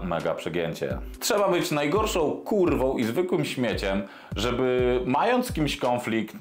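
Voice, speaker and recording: A man in his thirties ranting sarcastically on a commentary vlog, swearing freely and dropping low for emphasis, recorded indoors on a lapel mic. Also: reverberant. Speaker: commentary vlogger. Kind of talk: scripted commentary rant. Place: small indoor room with desk and monitor.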